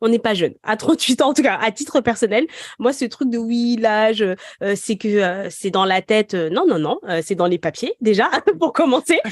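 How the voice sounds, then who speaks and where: An unremarkable speaking voice from a woman, fairly high-pitched, with lively intonation at a moderate pace, in a dry, close sound with no echo. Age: 30s. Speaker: podcast host and author. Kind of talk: casual chat. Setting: video call.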